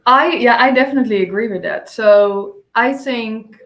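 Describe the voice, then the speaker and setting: A woman recruiter talking quickly in a casual interview, often saying like. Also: on the high side, a bit bright, echoey room. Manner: quick, uses like as a filler. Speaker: recruiter guest.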